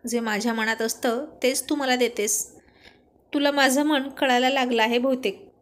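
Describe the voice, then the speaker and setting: A woman's voice: high voice, steady tone, normal speed, close to an everyday voice. A woman voicing a playful, teasing young husband in a spoken love story.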